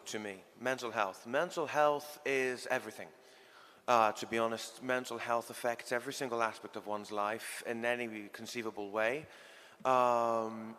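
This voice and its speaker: A man's voice: medium pitch, steady tone, moderate pace, sharp tone, in a large hall. A young man speaking as a panelist in a youth discussion, confident and rhetorical in how he builds his points. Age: young adult.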